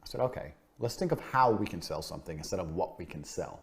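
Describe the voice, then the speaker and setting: Man, low-ish voice, brash business-course speaker; boastful, profane, punchy repetition. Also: expressive, fast, vocal fry. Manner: blunt, boastful, swears freely. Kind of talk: motivational business lecture.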